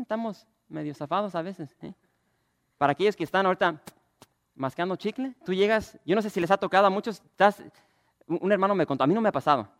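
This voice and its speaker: A man, a pastor preaching a lively sermon and asking the congregation questions. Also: a little high, no room sound, studio quality.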